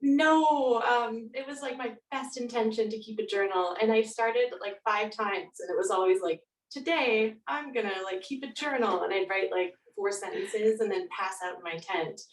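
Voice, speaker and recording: A woman's voice: fairly high pitch, normal speed, hardly any pauses. Woman, informal reflective storyteller, roomy sound, away from the mic. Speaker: guest author. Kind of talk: casual conversational interview. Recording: roomy echo, distant from mic.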